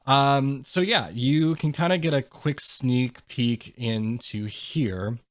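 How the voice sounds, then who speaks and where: Male game master, slow pace, dry sound, casual narration, hesitant, explanatory. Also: mid-range voice, dry recording.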